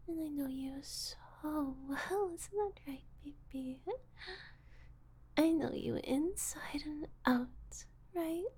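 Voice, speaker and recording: A woman in a whispered audio roleplay, voicing a possessive, controlling woman who calls herself Mommy and talks slowly, coaxing and condescending. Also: high voice. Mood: cooing. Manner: soft breathy whispering, slow and coaxing; condescending, teasing.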